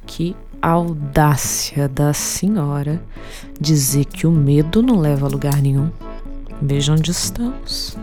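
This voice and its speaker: Creepy taunting spirit voice, brazilian, deep for a woman, slow menacing poetry, radio drama. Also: dark tone, faint music behind. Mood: mocking. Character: sinister, taunting inner voice haunting the heroine.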